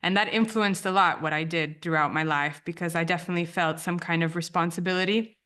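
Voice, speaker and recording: A woman's voice: lowish voice, fairly even intonation, brisk, fairly bright tone. A woman in her thirties, from Romania and raised in the US, a podcast guest telling her story thoughtfully, often restarting phrases. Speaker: guest, branding editor. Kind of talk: reflective podcast interview.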